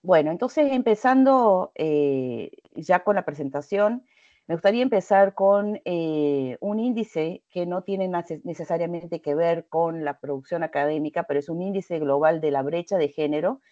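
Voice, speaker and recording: A woman's voice: on the low side, mellow, no room sound. Argentine woman lecturing on a video call. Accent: Argentine Spanish with some Portuguese mixing. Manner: measured, many hesitations and restarts. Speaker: invited lecturer. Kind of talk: webinar presentation. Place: home office with bookshelf. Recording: dry, dull video-call audio.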